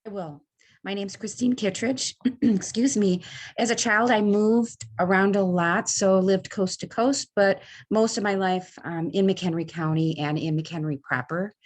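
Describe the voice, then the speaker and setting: A woman's voice: mid-range voice, fairly even intonation, unhurried. A woman introducing herself on a video call in a light, self-deprecating way.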